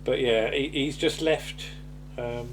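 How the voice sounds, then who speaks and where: A man's voice: mid-range voice, fairly even intonation, slow pace, noisy background. A man chatting casually as he reviews an episode, hesitant and rambling, often ending on tag questions. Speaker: podcast host.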